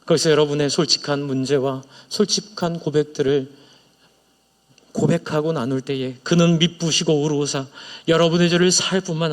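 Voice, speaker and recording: High-voiced man preaching in echoey church. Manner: earnest, personal confession with exhortation; leads congregation in prayer. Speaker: pastor. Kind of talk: sermon. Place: church sanctuary.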